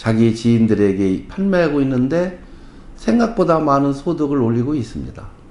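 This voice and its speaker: In a room with audible echo, a man with a fairly high-pitched, dark, mellow voice speaks at a fairly slow pace with lively intonation. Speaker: retiree lecturer. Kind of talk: lecture.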